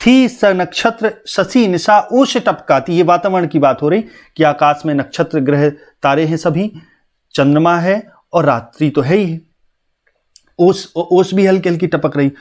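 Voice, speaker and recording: A young man teaching, who recites lines of verse slowly and then explains them in plain everyday speech. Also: fairly high pitch, a little mellow. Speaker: Hindi teacher. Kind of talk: poetry explanation lesson.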